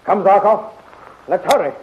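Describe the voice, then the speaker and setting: An actor playing a brave, tender young space hero, earnest and reassuring, in 1930s radio serial style. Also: male voice, high-pitched, moderate pace, close to an everyday voice. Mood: urgent, determined. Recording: dull, noisy 1930s radio recording.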